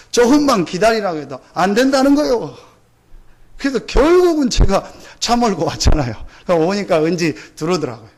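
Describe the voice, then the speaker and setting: A male pastor preaching a Sunday sermon, asking rhetorical questions, answering them himself and building points by repetition. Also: sits high. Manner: builds points by repeating phrases.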